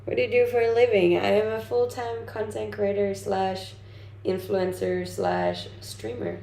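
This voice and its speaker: Lively, creaky-voiced young Danish woman streamer. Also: mid-range voice, unhurried. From Denmark. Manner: informal, conversational. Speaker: livestream host, content creator. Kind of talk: casual livestream chat, reading and answering viewer comments. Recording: roomy echo, faint background noise.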